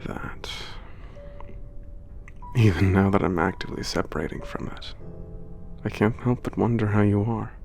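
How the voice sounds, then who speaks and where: In an ASMR audio drama, a man voices a gentle, melancholy, older-sounding giant protector who narrates letters home. His low, gravelly voice moves at a moderate pace with long pauses, the words formal and reflective, and he often drops to a whisper. Soft music plays faintly behind him.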